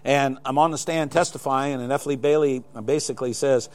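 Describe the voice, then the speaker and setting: A man's voice: mid-range voice, fairly even intonation, brisk, a little mellow. An older man, a guest in a live studio interview, telling anecdotes in a rambling way with many restarts. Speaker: interview guest, glider flight examiner.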